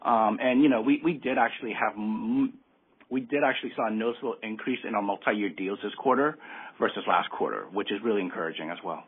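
Husky, halting man on a phone line. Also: on the low side. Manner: halting, repeats words. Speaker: company executive on an earnings call. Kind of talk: unscripted business answers. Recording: muffled narrowband phone line.

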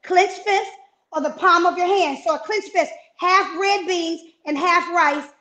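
High-voiced energetic woman in her fifties. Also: unhurried, roomy sound. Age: 50s. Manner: energetic, coaching, emphatic repetitions. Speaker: fitness and nutrition guest. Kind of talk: casual video-call chat giving healthy eating tips. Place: home kitchen, indoors. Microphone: wireless earbuds on a video call.

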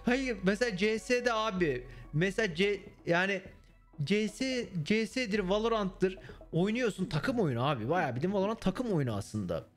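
A man's voice: sits high, lively intonation, moderate pace. A young man, chatting casually with his stream viewers in a blunt, swearing manner. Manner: blunt, swears and mocks freely. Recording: faint music underneath.

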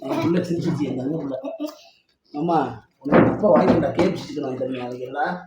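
A man rattles off teasing complaints in a comic family sketch, his voice high and his pace quick. The recording is roomy and dull, picked up from a distance with faint background noise. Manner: loud, teasing, mock-indignant complaining. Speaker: father in family comedy sketch.

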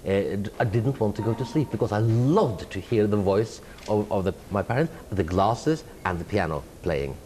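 A man's voice: lowish voice, moderate pace, few pauses, a little hiss or hum. A middle-aged Norwegian man with a Norwegian accent, answering interview questions thoughtfully with many hesitations. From Norway. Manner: hesitant, many fillers and restarts, animated hand gestures. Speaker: interviewed writer. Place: indoor room with tapestry wall.

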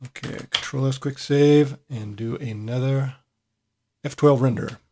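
A man hosting a casual software tutorial, thinking aloud as he works with relaxed pauses. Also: medium pitch. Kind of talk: casual screen-recorded tutorial.

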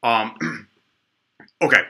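A man's voice: medium pitch, drawn-out words. A young man with a stuffy, sniffly voice from allergies, casually talking through a coding tutorial at his desk with lots of ums and restarts. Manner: relaxed, lots of ums and restarts, thinks aloud while typing. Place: small indoor room at a desk.

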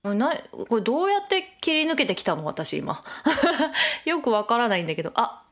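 Lively woman narrating her own gameplay. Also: on the high side, normal speed. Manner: chatty self-talk, frequent laughter and surprised exclamations. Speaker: game streamer. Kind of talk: Let's Play commentary.

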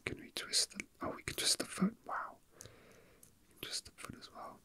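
A man whispering in a breathy, unvoiced voice, rambling casually and a little hesitantly as an ASMR host, musing to himself. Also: moderate pace, sharp tone.

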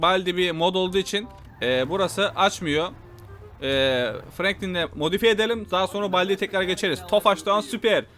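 A young man streaming a driving game with a high, bright, forceful voice. He reacts loudly, repeats himself and laughs a lot. Faint game music plays under his talk. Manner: excitable, loud exclamations, repeats his lines, laughs often. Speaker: gameplay streamer. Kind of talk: excited gameplay commentary.

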